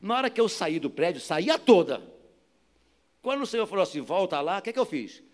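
A pastor with a Rio de Janeiro accent, preaching a sermon with lively storytelling that builds to loud, emphatic exhortation. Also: male voice, high-pitched, brisk. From Rio de Janeiro area, Brazil.

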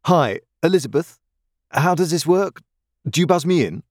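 A woman's voice: sits low, lively intonation, moderate pace, darkish tone, no room sound, clean studio sound. A woman voicing a proud, formal wealthy young man who speaks in a clipped, earnest way, in an audiobook. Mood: stiff. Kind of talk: audiobook character voice.

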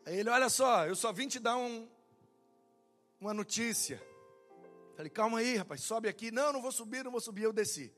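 A man's voice: very high voice, fairly quick, pauses often, soft background music. A young man preaching as a pastor, telling a story and acting out the dialogue. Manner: animated, acts out dialogue in quotes. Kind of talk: sermon storytelling.

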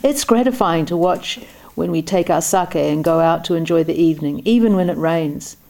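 A woman's voice: lowish voice, normal speed, gravelly, warm tone. A woman reading a story aloud, voicing a tiny, cheerful old man in his seventies who talks in an easy, friendly way. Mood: delighted.

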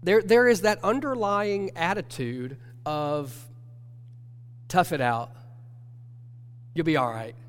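Brief: man with a cold, nasal church teacher, earnest and measured, long reverb around him. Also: a little high. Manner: earnest, measured, self-correcting. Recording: long hall reverb with faint hum.

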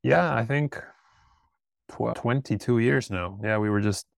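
A man in his thirties from Peru, a guest telling his story in a casual interview, relaxed and rambling with restarts. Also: mid-range voice, measured pace, creaky, no echo, studio quality. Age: 30s. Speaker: guest, startup founder.

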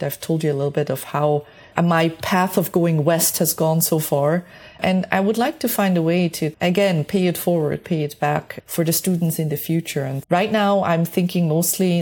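A woman from Switzerland answers questions as a guest on an interview podcast. Her voice sits low and has a husky edge. She talks conversationally, reflecting as she goes and sounding enthusiastic. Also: darkish tone. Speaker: podcast guest, space mission engineer.

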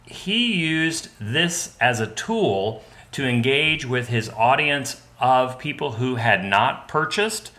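Bright-voiced, joking podcast guest. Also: male voice, medium pitch, slow pace, hardly any pauses. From American Midwest. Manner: relaxed, joking, rambling storyteller. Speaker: podcast guest, business partner. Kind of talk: casual podcast chat.

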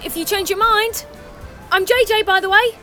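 A woman's voice: very high-pitched, normal speed, fairly bright tone, soft background music. An actress playing a chatty, breezy young woman working undercover. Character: bold young English woman spy, breezy.

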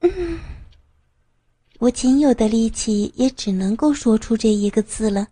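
Woman telling a first-person story, warm soft voice, bit high, quiet music behind. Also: normal speed, no echo. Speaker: narrator. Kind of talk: first-person adult audio story narration.

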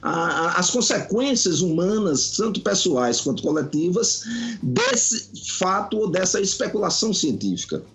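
A man, a guest writer, explaining at length in a measured, lecturing way during a podcast conversation. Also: high-pitched, big pitch swings, a bit bright.

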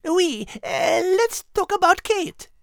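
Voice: very high voice, big pitch swings, slow pace, vocal fry, fairly bright tone, no echo, clean studio sound, pitched above the performer's own voice, full character voice. A performer voicing a clever, confident little female animal with a French accent, speaking precisely in an audiobook story. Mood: composed, teasing.

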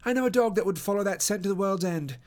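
An assured gentleman detective, performed by a male audiobook narrator, with a fairly high voice for a man. He reasons aloud in precise, dry, instructive phrases, brisk and sure of himself. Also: lively intonation. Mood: keen, excited. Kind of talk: audiobook character acting.

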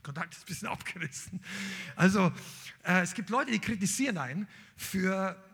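Male pastor, husky, high-pitched voice, emphatic sermon delivery. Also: moderate pace. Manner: animated, emphatic preaching with sudden loud peaks.

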